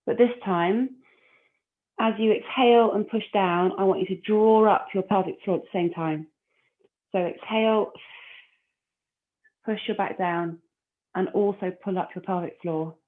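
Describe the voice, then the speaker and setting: Casting: female fitness instructor, calm encouraging cues, mid-pitched, tinny phone-quality sound. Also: a little slow, long pauses. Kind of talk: guiding an exercise class. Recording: phone-like narrow audio.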